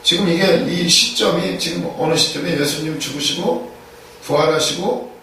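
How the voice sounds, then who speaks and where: A man's voice: on the high side, moderate pace, fairly bright tone. Male pastor delivering an emphatic sermon, heavy room echo from a distant mic. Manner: emphatic, repeats key phrases, asks rhetorical questions. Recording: echoey room, distant mic, faint noise.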